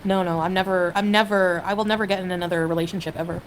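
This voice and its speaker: A woman's voice: on the low side, steady tone, fast talker, slight background noise. A woman from Canada chatting on a livestream, hesitant and rambling, with lots of fillers as she reads viewers' comments. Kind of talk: casual livestream chat.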